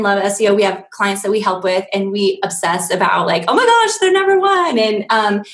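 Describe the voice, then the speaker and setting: Woman host, talks fast and eager about her field, sound bounces in the room. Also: a little high, echoey room. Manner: enthusiastic, chatty, nerdy about her subject. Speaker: digital marketing agency owner. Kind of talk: casual live-stream chat.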